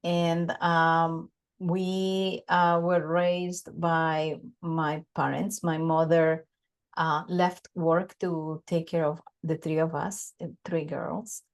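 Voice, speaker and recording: Lady in her 40s, lowish voice, talks real slow with lots of ums, video call. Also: level tone. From Bogota, Colombia. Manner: unhurried, many pauses and fillers. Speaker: guest. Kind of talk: casual interview, telling life story. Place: home office with bookshelves. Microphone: desk microphone on a video call.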